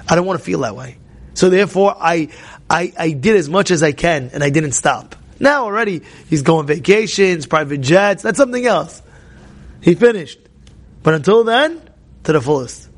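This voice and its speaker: A man teaching a Torah class as a rabbi, pushing his points with repeated phrases and sudden emphatic bursts, asking questions and answering them himself. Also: sits high. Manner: rises to emphatic near-shouts, repeats key phrases, asks and answers himself.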